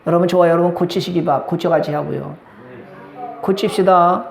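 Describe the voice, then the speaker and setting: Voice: mid-range voice, steady tone, normal speed, creaky. A pastor delivering a Sunday sermon, putting rhetorical questions to the congregation and acting out everyday quotes. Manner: acts out everyday quotes in changing voices. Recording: echoey church room.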